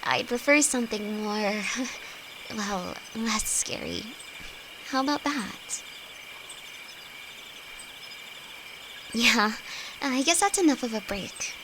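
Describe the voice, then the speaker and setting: A woman's voice: fairly high pitch, animated. A woman playing a timid, affectionate young apprentice alchemist in an intimate fantasy audio roleplay, speaking hesitantly to her best friend. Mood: shy, relieved. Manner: hesitant, halting, soft-hearted. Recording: noisy, with night insects behind. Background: crickets and night forest ambience.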